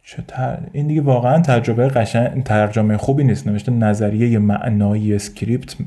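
Rambling man with a dark, mellow voice. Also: on the low side, fairly even intonation. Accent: Persian. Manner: rambling, thinking aloud with many fillers and restarts. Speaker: podcast host. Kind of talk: casual solo podcast monologue.

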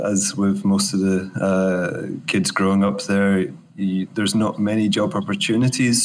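Easygoing Scottish man, low voice. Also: a little hiss or hum. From Scotland. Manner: easygoing, hesitant with many ums. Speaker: guest, sound designer. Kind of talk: casual interview chat.

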